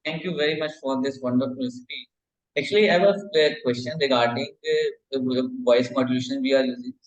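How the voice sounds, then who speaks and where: A man's voice: medium pitch, brisk, lo-fi sound. A man with an Indian accent asking a question as a workshop participant, polite, wordy and a little hesitant. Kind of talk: spoken audience question. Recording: roomy, echoey online call.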